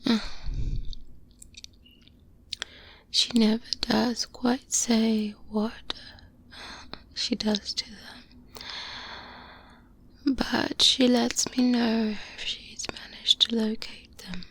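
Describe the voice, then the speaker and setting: A seasoned vampire hunter, played by a woman, mentors a trainee in a breathy, hushed whisper. The delivery is slow and deliberate, guarded and careful, in the intimate style of a close-up ASMR roleplay. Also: on the high side, flat delivery, full character voice. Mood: confiding, careful. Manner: measured, deliberate, hushed, with thoughtful pauses. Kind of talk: soft-spoken ASMR roleplay monologue. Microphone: close-up binaural microphone.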